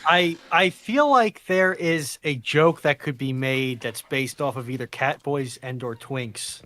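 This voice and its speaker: A man's voice: mid-range voice, measured pace, pushed and bright. A man chatting casually as a panelist in a hesitant, musing way. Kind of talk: casual chat. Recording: background noise with clicks.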